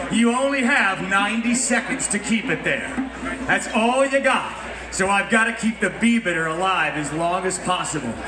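Moderate-paced speech from a man with a high voice, ordinary pitch variation, and noticeable background noise. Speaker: auctioneer. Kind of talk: auctioneer explaining his craft to an audience, humorous. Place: stage. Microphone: handheld.

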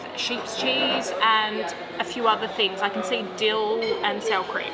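A woman's voice over clear background music. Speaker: food vlogger. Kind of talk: casual vlog chat. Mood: relaxed, pleased. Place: cafe. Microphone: phone near.

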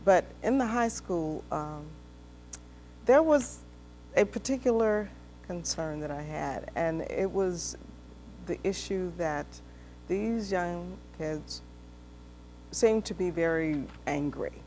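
A woman with an American accent speaks at a very slow pace, leaving long, frequent pauses. Light background noise can be heard. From San Francisco, California. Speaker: talk show host and educator; talk show host, educator. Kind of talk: interview. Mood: warm, reflective, smiling. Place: studio. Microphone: lapel.

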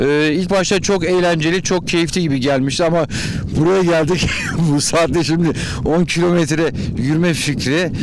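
A man speaks at a moderate pace with a high pitch, fairly even intonation and very even loudness. The sound is dry with no echo, though noticeable background noise is present. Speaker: TV presenter. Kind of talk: TV field presentation. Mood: cheerful, joking. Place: open country. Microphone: handheld.

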